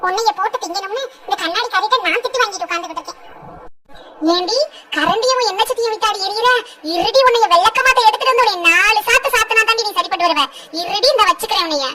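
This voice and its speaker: A voice actor playing a sharp-tongued village mother-in-law in a cartoon, who scolds in rural speech and breaks into wailing complaints. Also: very high voice, quick pace, noisy background. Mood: ranting. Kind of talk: cartoon voice acting.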